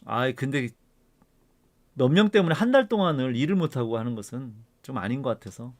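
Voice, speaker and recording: Casting: middle-aged male art professor, lively swooping pitch, fired-up lecturing that sinks to calm remarks. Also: fairly quick. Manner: heated ranting that drops to soft asides. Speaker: art professor and channel host. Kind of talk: casual lecture to camera.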